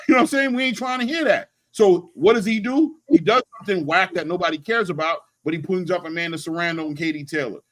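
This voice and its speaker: With a high-pitched, fairly bright voice and a quick pace, a man hosting a boxing channel gives animated, casual sports opinions. He leans on slang and often repeats words to drive his points home.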